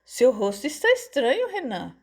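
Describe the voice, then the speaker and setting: A woman's voice: sits high, huge pitch swings, moderate pace, a little mellow, slightly rough, pitched above the performer's own voice, heavily acted. A woman voicing a frightened, doting older mother in an audiobook story, anxious and motherly. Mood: horrified, urgent.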